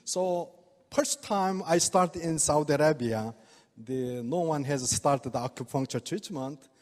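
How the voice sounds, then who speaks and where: An older Korean-accented man gives a talk in broken, halting English, often breaking into chuckles. His voice sits a bit high for a man. The long reverb of a large hall trails every phrase. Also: darkish tone. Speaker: speaker, oriental medical doctor. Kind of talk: presentation to a live audience.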